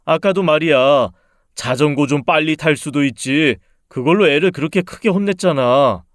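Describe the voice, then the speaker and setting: A man's voice: fairly high pitch, moderate pace, no room sound, studio quality, close to an everyday voice. A man playing a resentful drunken husband. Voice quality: reproachful, accusing tone. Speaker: husband in a dramatized story. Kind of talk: radio drama acting.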